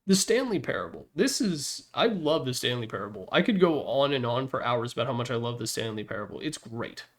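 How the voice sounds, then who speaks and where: A man's voice: mid-range voice, lively intonation, brisk. A man giving casual, opinionated commentary as the host of a ranking, talking in a rambling, blunt, slangy way. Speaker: host ranking video game announcer packs.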